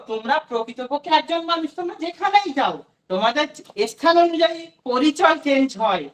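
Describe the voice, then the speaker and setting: A woman with a high voice gives a demo lesson to children. She asks the class a question and then answers it herself. She sits a little back from the mic. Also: fairly bright tone, distant mic, low-quality recording. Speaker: teacher giving a demo class.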